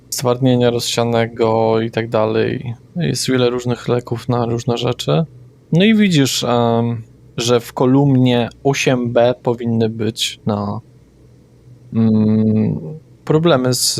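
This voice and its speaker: A man running a tabletop vampire game as game master, describing scenes deliberately with pauses and fillers. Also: medium pitch, darkish tone.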